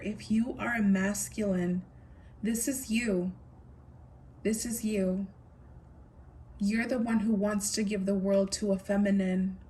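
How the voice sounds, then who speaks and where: A woman reads tarot cards for her viewers at a slow, unhurried pace. She muses aloud and circles back over the same phrases. Her voice is picked up from a little distance, with a faint hum of background noise. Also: medium pitch, a little mellow. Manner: musing, repeats phrases, addresses viewers directly. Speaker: tarot reader. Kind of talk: pick-a-card tarot reading.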